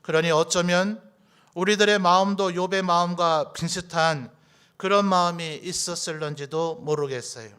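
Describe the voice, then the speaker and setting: Bright, clear-voiced man preaching. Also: sits high, steady tone, moderate pace. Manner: earnest, pleading, reads scripture aloud. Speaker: pastor. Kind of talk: sermon.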